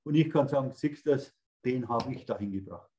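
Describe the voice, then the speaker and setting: A man's voice: mid-range voice, a little fast, mellow, breathy edge, rough recording. Older Bavarian man telling stories. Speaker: guest, speaker agency founder. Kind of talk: casual interview over video call. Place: indoors, in front of a red stage curtain backdrop. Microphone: video call.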